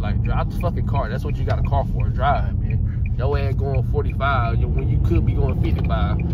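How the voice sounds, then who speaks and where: Loud background noise accompanies a man whose voice comes through dry, with no echo. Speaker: vlogger driving. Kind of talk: casual vlog chat. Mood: annoyed ranting. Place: car. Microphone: phone near.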